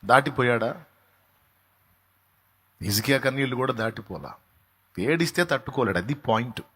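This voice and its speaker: A male pastor preaching a sermon with fervour, swinging between quiet, low passages and loud, raised outbursts. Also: lively intonation, moderate pace, breathy edge.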